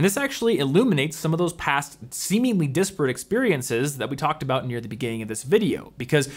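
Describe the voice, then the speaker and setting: This is an unremarkable speaking voice, a man's, fairly high in pitch and with an American accent. He talks at a fairly quick pace. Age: 20s. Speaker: YouTuber. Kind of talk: scripted narration.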